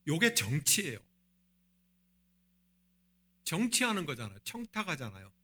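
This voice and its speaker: A man's voice: a little high, huge pitch swings, a little slow, bright, forceful tone. A man, the senior pastor, preaching a sermon and asking the congregation rhetorical questions.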